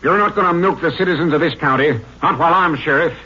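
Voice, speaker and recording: An actor playing an angry, honest, stubborn county sheriff in a blunt, accusing 1950s radio drama style. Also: male voice, on the high side, fast talker, pushed and bright, breathy edge. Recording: dull old 1950s radio recording.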